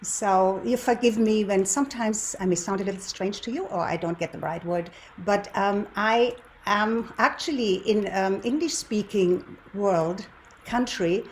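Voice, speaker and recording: A woman in her seventies from Germany, a native German speaker with a German accent, hosts a show, introducing herself and telling her story in a deliberate manner with rhetorical questions. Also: mid-range voice, slight background noise. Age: 70s. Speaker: show host, lifestyle and relationship coach. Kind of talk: presenter's introduction and personal storytelling to viewers.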